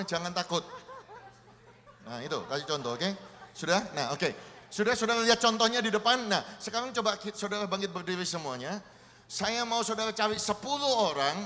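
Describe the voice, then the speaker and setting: A man preaching as pastor, lively and coaxing the congregation to practise greetings with one another. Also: on the high side, a little hiss or hum. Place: large church hall. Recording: long hall reverb.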